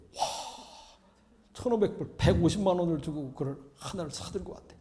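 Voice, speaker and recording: There is audible room echo as a man with a high pitch talks at a moderate pace with lively intonation. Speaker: pastor. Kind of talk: sermon. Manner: animated.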